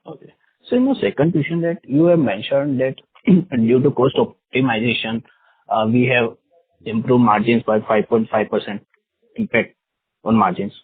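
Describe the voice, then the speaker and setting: A husky-voiced man asks an executive halting questions as an analyst, restarting his sentences. The sound is dry and narrow, like a phone call. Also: medium pitch, no room sound. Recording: dry phone-line conference call audio.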